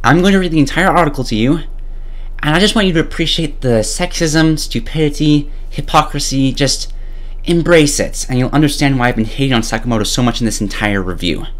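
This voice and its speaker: A man's voice: fairly high pitch, brisk. A twenty-year-old man narrating a scripted video game review in a sarcastic, opinionated way. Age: 20 years old.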